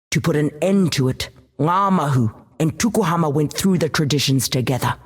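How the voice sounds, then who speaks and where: A woman's voice: sits low, slightly rough. A woman playing a devout keeper of tribal traditions, speaking earnestly and solemnly in a fantasy game monologue.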